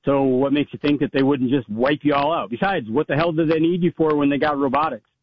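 A man's voice: fairly high pitch, fairly even intonation, quick pace, highs cut off. A man calling in to a talk show, arguing casually and insultingly, repeating himself and talking over others. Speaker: caller to a talk radio show. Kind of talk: casual argumentative banter.

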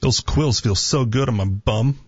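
Raspy guy ribbing his cohost at a studio mic, dry close sound, kinda dull lo-fi. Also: medium pitch, a little slow, no echo. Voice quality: raspy, parched voice. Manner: sarcastic, teasing. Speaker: co-host. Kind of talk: casual banter on a talk show. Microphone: studio microphone.

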